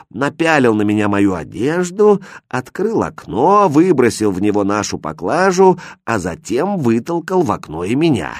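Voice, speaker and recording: A man voicing a proud, quick-tempered young king who speaks imperiously. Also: on the low side, darkish tone, no echo, studio quality.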